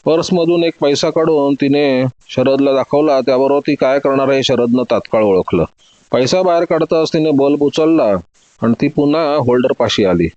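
A man narrating a detective story in a steady, dramatic reading. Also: medium pitch, normal speed, dry recording, dull audio.

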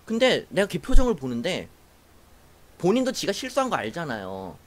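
A young woman telling a personal story to camera in a casual, animated way, acting out what others said. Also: fairly low pitch, moderate pace. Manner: animated, acts out quoted voices, laughs while telling. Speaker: YouTuber.

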